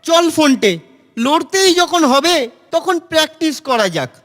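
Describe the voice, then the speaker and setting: A man's voice: very high-pitched, expressive, a little slow, fairly bright tone, long reverb tail, heavily acted. A man voicing a sensible, wary schoolboy in a children's cartoon, with an earnest delivery. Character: sensible, wary schoolboy, friend of a smaller boy. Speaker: cartoon voice actor. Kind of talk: Bengali children's cartoon dialogue.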